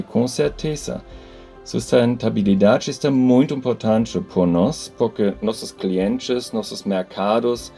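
Male interview guest, German accent and native German, halting non-native delivery, dark tone, very slow pace. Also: on the low side. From Hamburg, Germany. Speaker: guest, company executive. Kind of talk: podcast interview answers.

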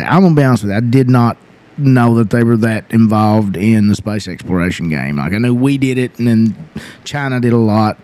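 A man with a mid-pitched, everyday voice hosts a podcast. He talks loosely and rambles, filling his sentences with "like" and "you know" and breaking into laughs. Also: dark tone. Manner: rambling, filler-heavy, laughs often. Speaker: podcast host. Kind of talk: casual chat.

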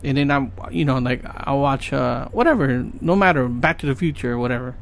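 A man's voice: medium pitch, lively intonation, brisk, vocal fry. A man in his late thirties talking casually and earnestly about his goals, rambling with many fillers and asking "right?" often. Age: 30s. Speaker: podcast host. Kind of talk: casual motivational monologue.

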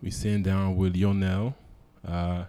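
A man hosting a casual interview podcast, talking in a relaxed way and dropping little words. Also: deep voice, a little slow. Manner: relaxed, drops verbs in casual speech. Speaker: podcast host.

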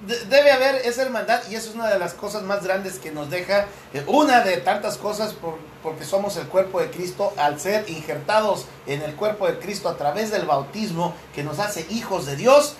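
A man's voice: sits high, normal speed, few pauses. A man hosting a casual Catholic talk show, chatting with a co-host, joking and laughing often, and reading news aloud. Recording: roomy with faint background noise.

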